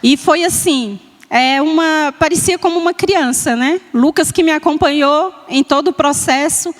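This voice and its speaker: A woman's voice: sits high, normal speed. A woman in her sixties from Brazil giving an emotional personal testimony at a church service, telling her story with quoted dialogue and frequent tag questions. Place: church hall. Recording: long hall reverb.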